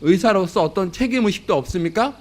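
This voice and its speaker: A man's voice: high voice, lively intonation, a little fast. A man voicing an angry father who demands answers from a doctor in a story told during a sermon. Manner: shouting accusations. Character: angry frantic father of injured boy.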